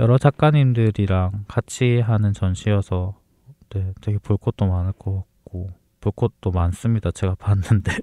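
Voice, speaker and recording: A man talks fairly slowly with ordinary pitch variation while music plays in the background. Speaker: painter. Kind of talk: interview.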